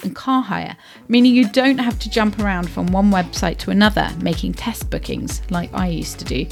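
A woman in her thirties hosting a podcast, reading an introduction and sponsor message from a script. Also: medium pitch. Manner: smooth, read from script. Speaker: podcast host, travel journalist.

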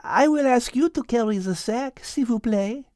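A woman's voice: on the high side, moderate pace, dark tone, dry recording, clean studio sound, lightly acted. A woman voicing a bossy, polite and dainty female animal leader with a French accent in a children's story. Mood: commanding.

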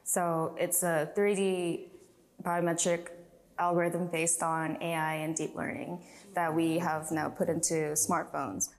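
A woman explains a technology in a measured, steady voice. Her pitch is a bit low and barely moves. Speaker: tech company spokesperson. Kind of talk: interview explanation.

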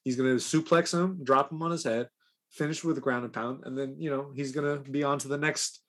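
A man's voice: mid-range voice, fairly even intonation, brisk. A young man co-hosting a podcast, laid-back and slangy as he picks matchups. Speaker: podcast co-host. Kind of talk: casual fight talk.

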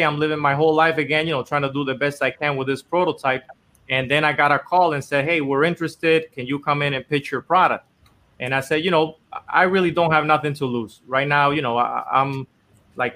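A man from the Dominican Republic tells how his company began, earnest and rambling, with plenty of "you know"s. His voice is bright and forceful and sits a little high. He talks in the easy way of a guest in a casual interview. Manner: earnest, rambling with many fillers.

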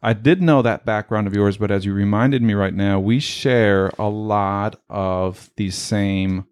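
Male podcast host in his forties, native Spanish speaker, lower voice, hesitant and repetitive questioner. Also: steady tone, a little mellow, clean tone, no echo. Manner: halting, repetitive questions full of fillers. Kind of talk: casual podcast interview.

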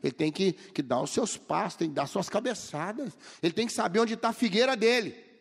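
Speaking fairly quickly in a high, creaky, husky voice, a middle-aged preacher with a Brazilian Portuguese accent delivers a sermon of funny anecdotes, voicing the characters he quotes. The long reverb of a large hall surrounds him.

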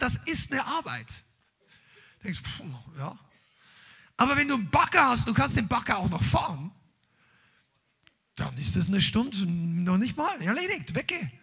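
A man preaching a charismatic sermon to a congregation, emphatic and animated, dropping English words and shouting out exclamations. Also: sits high, normal speed, slightly rough. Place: church hall with congregation, streamed online.

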